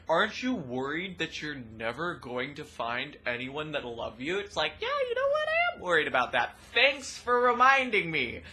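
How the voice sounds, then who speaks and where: Young trans woman, rather deep voice, loud and expressive, frequent laughs, casual vlog rant. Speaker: vlogger.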